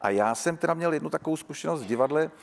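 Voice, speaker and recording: A man, an actor and talk show guest, telling lively anecdotes and mimicking other people's voices. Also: on the high side, vocal fry. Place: theatre stage at a public taping. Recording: theatre hall reverb.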